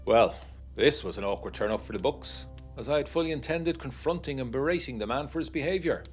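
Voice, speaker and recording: A man's voice: mid-range voice, expressive, brisk, faint music behind, lightly acted. An actor playing a genteel, uneasy young war veteran narrating his letters in a literary, wryly confiding way for a gothic period audiodrama.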